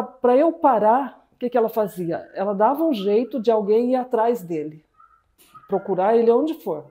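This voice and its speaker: A woman telling her own life story in a soft, hesitant, reflective way. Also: mid-range voice. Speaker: storyteller recounting her marriage. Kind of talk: personal testimony.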